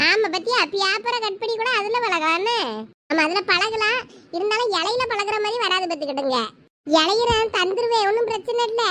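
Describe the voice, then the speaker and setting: A woman voicing gossiping adult women in a cartoon comedy, speaking a with lively banter. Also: very high voice, slight background noise.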